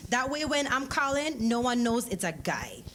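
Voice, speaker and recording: A woman voicing a persistent, smooth-talking young man who courts with familiar, coaxing slang in a story reading. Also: on the high side, sing-song, moderate pace, fairly bright tone. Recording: clearly noisy live event recording.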